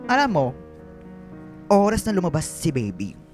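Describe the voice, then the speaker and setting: An actor in a radio drama playing an excitable, effeminate gay Filipino expectant father, campy and melodramatic, mixing in English and girly slang. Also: mid-range voice, normal speed, faint music behind. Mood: doting, playful.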